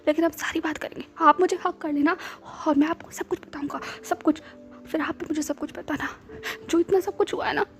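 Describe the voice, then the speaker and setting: A woman's voice: very high voice, fairly even intonation, brisk. A woman voicing a drunk, tearful young man who pleads with his lover, stammering and mixing in English words. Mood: pleading, tearful. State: drunk and crying.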